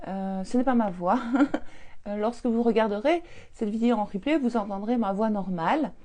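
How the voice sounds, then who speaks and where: Chatty laughing woman, mellow voice. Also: medium pitch, moderate pace. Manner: chatty, laughs often, animated storytelling. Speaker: holistic coach. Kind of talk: casual live-stream chat.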